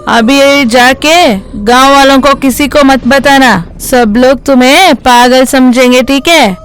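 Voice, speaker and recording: Brief: commanding cartoon landlord , a woman doing the voice, high and unhurried, barking orders. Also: fairly even intonation, a bit bright, a little hiss or hum. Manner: bossy, ordering people about. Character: village landlord, gruff middle-aged man in charge. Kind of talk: animated storybook voice acting.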